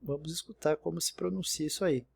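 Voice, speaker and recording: A man's voice: fairly high pitch, fairly even intonation, quick pace, gravelly, husky. Patient man teaching English. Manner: patient and explanatory, often checking in with "né?". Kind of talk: recorded screen-share lesson.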